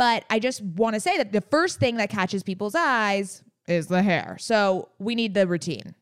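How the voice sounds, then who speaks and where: In a very clean recording with a silent background, a woman with an American accent talks at a moderate pace with hardly any pauses, her medium-pitched voice showing lively intonation. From California, US West Coast. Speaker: podcast host. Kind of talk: casual chat. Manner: loud.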